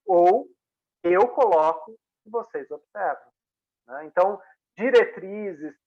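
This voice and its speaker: A man's voice: high voice, fairly bright tone, poor audio. A man, a workshop facilitator giving a reflective talk on a video call, often checking in with tag questions. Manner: frequent tag questions, conversational.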